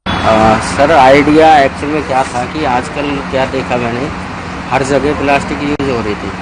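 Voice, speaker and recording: A man's voice: mid-range voice, fairly even intonation, normal speed. A man explaining informally as a business owner in an outdoor interview. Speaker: restaurant owner. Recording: loud roadway noise outdoors.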